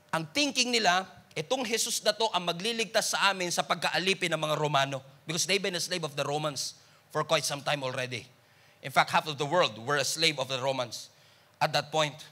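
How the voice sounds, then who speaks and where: Male Filipino pastor, high and crisp-edged with gravel in the voice, full sermon delivery. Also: a little fast, bright, forceful tone.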